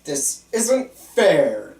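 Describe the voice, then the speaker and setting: Man acting as uneasy distrustful patient, slow delivery, table read, distant roomy recording. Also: a little high, very animated, a little mellow, exaggerated voice. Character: nervous, distrustful male psychiatric patient. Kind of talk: table reading of a film script. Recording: roomy, distant mic, faint room noise.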